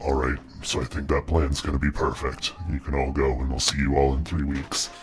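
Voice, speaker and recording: Using a put-on character voice, a man speaks very deep and low at a fairly quick pace. Clear background noise runs beneath him. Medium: actual play. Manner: curt, authoritative.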